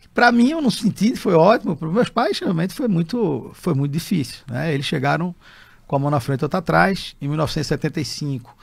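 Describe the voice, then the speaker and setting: This man's voice is high-pitched, with lively intonation and a fairly quick pace. The recording is very clean, with a silent background. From Brazil (early childhood in Algeria). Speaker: company executive. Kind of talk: podcast interview, life story.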